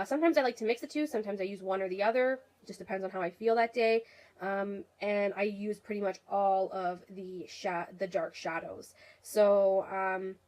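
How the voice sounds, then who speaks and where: A woman's voice: medium pitch, a little mellow, poor audio. A young woman with a cold, sounding nasal and stuffed up, chatting casually to camera about makeup with lots of fillers. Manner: chatty, rambling, many fillers. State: sick, nasal and congested. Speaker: beauty vlogger.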